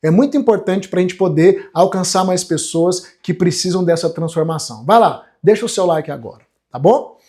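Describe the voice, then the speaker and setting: A man's voice: high voice, lively intonation, moderate pace, warm tone. A Brazilian man in his forties giving a motivational online class as a coach, speaking earnestly and emphatically and often checking for agreement. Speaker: self-development coach hosting an online class. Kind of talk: motivational live lecture to viewers.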